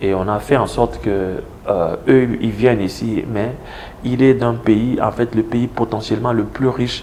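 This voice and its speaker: Speaking with a Congolese accent, a man talks at a fairly slow pace and a medium pitch. His intonation stays fairly even, and there is noticeable background noise. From DR Congo, Kwilu region. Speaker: professor and political candidate. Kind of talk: interview. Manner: hesitant, many fillers.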